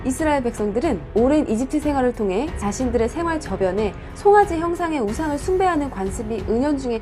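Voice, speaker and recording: High-pitched, very animated woman storyteller. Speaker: storyteller and host. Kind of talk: dramatic Bible storytelling narration with casual asides.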